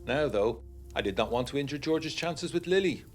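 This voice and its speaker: A man's voice: a little high, lively intonation, normal speed, faint music behind, close to an everyday voice. An actor playing a genteel, uneasy young war veteran narrating his letters in a literary, wryly confiding way for a gothic period audiodrama.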